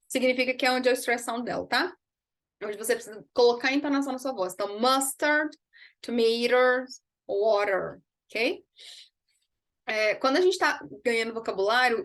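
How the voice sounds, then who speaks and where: A woman English teacher gives an online lesson, moving between quick explanations and slowly modeled words for learners to repeat. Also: a little high, fairly bright tone.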